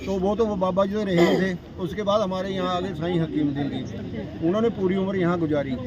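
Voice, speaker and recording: A man talks at a moderate pace with a high pitch, ordinary pitch variation and hardly any pauses. Audible room echo and noticeable background noise fill the recording. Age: 70s. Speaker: local resident. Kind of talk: on-the-spot interview statement.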